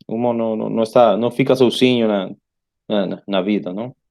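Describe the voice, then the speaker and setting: A man with an Argentine Spanish accent talks in a soft-edged, mellow voice, mixing Portuguese and Spanish. He feels his way through sentences, repeating small words and often tagging a short question on the end. It sounds like an informal online lecture from a native Spanish speaker. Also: lowish voice, vocal fry. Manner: halting, repeats words searching for phrasing; often ends phrases with a tag question. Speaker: professor, guest lecturer.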